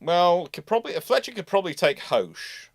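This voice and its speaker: Male livestream host, slightly high voice, casual panel chat, halting when reading questions, very dry sound. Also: very animated, no echo.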